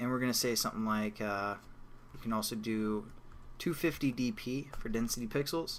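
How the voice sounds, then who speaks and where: A man's medium-pitched voice, fairly even in intonation, at a fairly quick pace. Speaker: programming tutorial instructor. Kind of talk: screencast tutorial. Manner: fast; casual, conversational.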